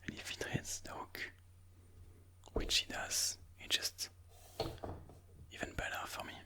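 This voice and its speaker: A person whispering ASMR game commentary in a breathy, mostly unvoiced voice, slowly and soothingly thinking aloud. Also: sharp tone. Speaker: ASMR chess video host.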